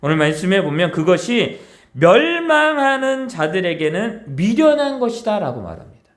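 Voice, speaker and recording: A male pastor preaching with a strikingly high voice that swings widely in pitch. He hammers key words, repeats them, and throws rhetorical questions out to the congregation to keep them engaged. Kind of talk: sermon.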